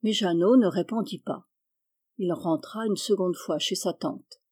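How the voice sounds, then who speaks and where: A woman reading a classic children's novel aloud in calm, measured storytelling. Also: fairly low pitch, breathy edge. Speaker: audiobook reader. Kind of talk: scripted narration of a classic novel.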